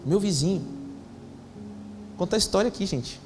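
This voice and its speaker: A high-voiced man. He tells stories with animation and slips into casual slang while voicing each side of a conversation. Soft music plays faintly behind him. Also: normal speed. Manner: animated storyteller, acts out dialogue, slangy. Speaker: pastor. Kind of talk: sermon storytelling.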